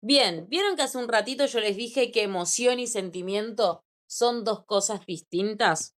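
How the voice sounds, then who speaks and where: A young woman with an Argentine Spanish accent teaches an informal class. Her voice sits a little high, and she keeps it conversational, often tossing in quick check-in questions to her listeners.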